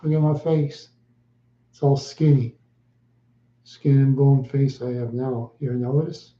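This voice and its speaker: A man chatting slowly with viewers on a live stream, answering in short, halting phrases and often repeating himself. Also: medium pitch, fairly even intonation, reverberant, muffled recording. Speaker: livestreamer.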